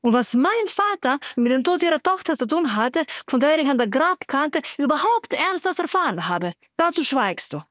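A woman narrator voicing her young heroine, whose dialogue comes out high-pitched, bitter and near-shouting. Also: big pitch swings, normal speed, hardly any pauses, dry recording, studio quality. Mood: accusing.

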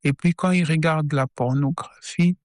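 A woman's voice: deep voice, moderate pace, darkish tone, dry recording, clean studio sound. A woman from DR Congo, leaving a recorded voicemail question through a voice changer that disguises her voice. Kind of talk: recorded listener message.

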